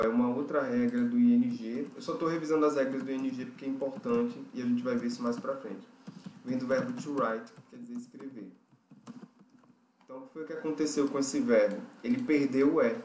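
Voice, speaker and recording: A man's voice: mid-range voice, a little mellow. A man teaching English grammar in a recorded lesson, patiently explaining exercises and often checking understanding. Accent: Brazilian Portuguese. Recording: echoey room, faint noise.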